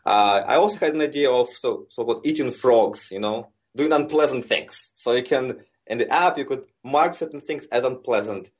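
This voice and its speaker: Russian-accented man, husky and easygoing. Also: mid-range voice, normal speed, few pauses. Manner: relaxed and explanatory, many fillers like "like" and "you know". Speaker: software engineer guest. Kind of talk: conversational interview answers.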